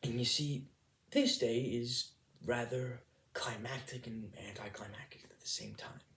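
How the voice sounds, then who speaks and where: A man playing a wounded, bitter gay son in a dramatic confessional monologue, speaking in hushed, breathy, halting phrases. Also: medium pitch. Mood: solemn, wounded. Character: wounded young gay son, solemn and bitter, recalling rejection. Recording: quiet voice with noticeable noise, clicks.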